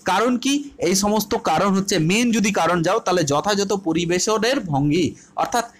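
Teaching an online exam-prep session in Bengali sprinkled with English terms, a high-voiced man with a Bengali accent speaks at a moderate pace. He quizzes students then supplies the answers, restating every key point, and the recording has slight hiss or hum.

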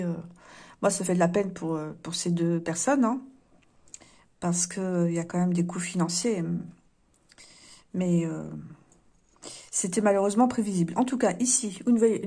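A woman's voice: medium pitch, warm tone. A woman lays out oracle cards and chats through them with her viewers. Her talk is loose and wry, full of fillers and small jokes. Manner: chatty, wry asides, many fillers. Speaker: card reader. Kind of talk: casual tarot-style card reading.

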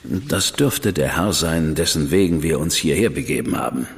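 An actor playing a reserved, measured investigator in a radio drama. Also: male voice, very deep voice, animated, creaky, exaggerated voice. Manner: measured, dry, withholding. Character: cool, reserved male investigator, brother of a famous detective. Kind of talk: German radio drama acting. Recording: long reverb with music behind.

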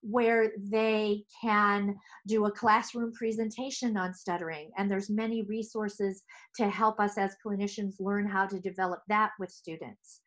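Animated woman with headset mic. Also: medium pitch. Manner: animated, gesturing with both hands. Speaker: speech-language pathologist. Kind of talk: presenting to clinicians. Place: home office.

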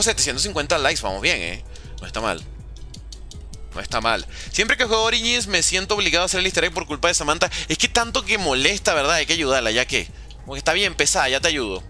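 Lively, bright-voiced man streaming a game. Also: fairly high pitch. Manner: playful, joking, slangy, reading chat aloud. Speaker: gaming streamer. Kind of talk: casual livestream commentary.

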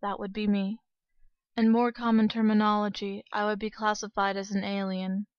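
A woman voicing an emotionless alien girl in human form, quiet, formal and deadpan, for an anime dub. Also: mid-range voice, moderate pace, clear, resonant tone, no room sound, muffled recording, pitched below the performer's own voice, close to an everyday voice. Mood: flat, detached. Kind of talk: anime dub audition acting.

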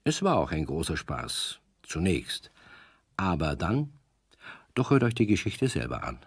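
Deep-voiced male storyteller. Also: big pitch swings, measured pace, breathy edge, dry recording, studio quality. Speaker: narrator. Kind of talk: scripted storytelling narration for children.

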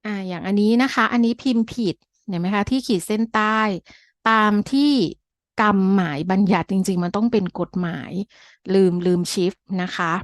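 A woman's voice: medium pitch, moderate pace, no room sound, clean studio sound. A woman giving an online training session on reading books aloud for blind listeners, explaining step by step with frequent polite particles. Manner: explanatory, with many polite particles and small restarts. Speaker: trainer for volunteer audiobook readers. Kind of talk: online training talk over slides. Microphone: computer mic on a video call.

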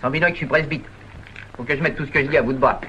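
A man's voice: mid-range voice, steady tone, racing, bright, forceful tone, a little hiss or hum, close to an everyday voice. An actor playing a gossipy, sly old grandfather in an old comedy film. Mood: wry. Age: older. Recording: dull old film soundtrack.

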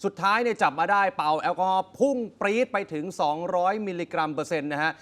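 A man anchoring an evening news show in a lively, exclaiming, conversational way, speaking straight to the viewers. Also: high-pitched, fast. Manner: animated, exclaiming, addresses viewers directly.

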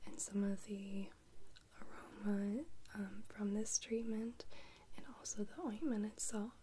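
A woman in her twenties doing a whispered role-play as a soothing clinic practitioner, in a breathy, gentle, reassuring whisper. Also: mid-range voice, flat delivery, unhurried. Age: 20s. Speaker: ASMR creator playing an eye-clinic practitioner.

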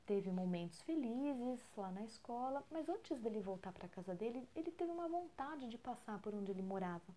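A Brazilian woman with a Brazilian Portuguese accent tells a story for a podcast from home. She keeps her voice low, close to a whisper, and her tone is mellow and relaxed. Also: a little hiss or hum. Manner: soft, almost whispering. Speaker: podcast co-host. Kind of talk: storytelling talk.

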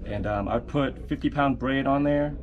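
A man's voice: mid-range voice, normal speed, dull audio, crowd noise. Easygoing tackle shop guy. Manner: easygoing, with many fillers. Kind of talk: casual product explanation.

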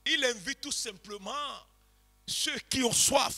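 Before a church congregation, a man preaches a revival sermon, passionately shouting and chanting repeated phrases as he leads them in prayer. His voice is extremely high-pitched and his pace slow.

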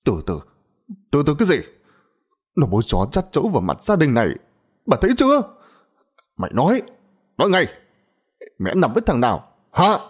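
A man's voice: fairly low pitch, expressive, quick pace, long pauses. A man voicing a harsh middle-aged farmer father who barks and curses at his family. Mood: furious. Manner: shouting, cursing, gruff.

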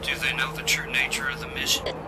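A man's voice: medium pitch, completely flat delivery, fairly quick, loud music behind the voice, lightly acted. A man playing a ruthless headquarters commander in an audio drama, curt and authoritative. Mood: cold. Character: stern, ruthless male military headquarters commander. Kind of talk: amateur audio drama acting. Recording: very noisy radio-style link.

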